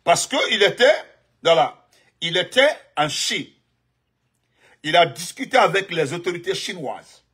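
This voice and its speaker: A man talks in a husky, tense voice that sits a little high. He rambles through live political commentary, repeating his points with emphasis and greeting his viewers by name along the way. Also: very animated, measured pace, long pauses, sharp tone. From Guinea. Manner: emphatic, repetitive, jumps between topics and greetings.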